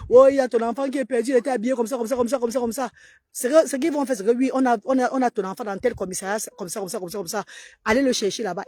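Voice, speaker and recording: A woman's voice: a little high, a little mellow, a little hiss or hum. A mother of an autistic child filming herself outdoors in a park, speaking earnestly and urging other mothers on a casual livestream.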